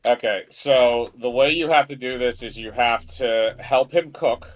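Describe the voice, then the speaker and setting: A man co-hosting a game stream, casually explaining in a halting way which choices to make. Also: medium pitch. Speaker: gaming co-host guiding the player. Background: game music.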